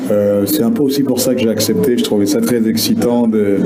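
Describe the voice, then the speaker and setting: A man at a moderate pace, with fairly even intonation, audible room echo and noticeable background noise. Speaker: radio host. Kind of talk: interview.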